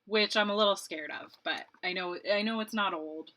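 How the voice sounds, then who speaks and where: A woman's voice: mid-range voice, moderate pace, bright, forceful tone. A woman in her late twenties, a beauty vlogger chatting casually and rambling while she does her makeup, laughing often. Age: 20s.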